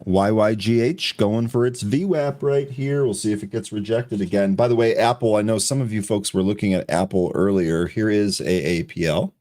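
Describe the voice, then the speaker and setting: A man co-hosting a live trading show, calling out tickers and chart levels in brisk, quick succession. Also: lowish voice, dark tone, dry recording, studio quality. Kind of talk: live market commentary.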